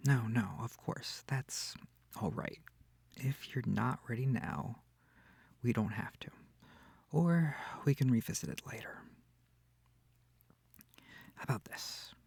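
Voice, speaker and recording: A sweet, comforting incubus demon played by a man speaks close and dry in an ASMR roleplay. His voice is soft and breathy with a touch of gravelly creak, and he takes his time, tender and a little hesitant. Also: mid-range voice, slow pace, pauses often, no echo, heavily acted. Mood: tender, soothing. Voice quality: breathy, often near whispering. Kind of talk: intimate ASMR audio roleplay.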